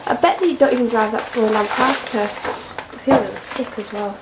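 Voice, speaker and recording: A young woman vlogger, congested and snotty from a cold, chats and rambles to her camera at home in a casual, self-deprecating way. Her voice is on the high side and brisk. The camera mic picks up a noisy background indoors.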